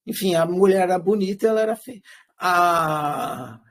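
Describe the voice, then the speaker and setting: A man's voice: high-pitched, measured pace. A man teaching a live class, asking his students questions and acting out everyday lines in quotes. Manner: animated, switches into acted quotes of everyday speech; rhetorical questions answered himself.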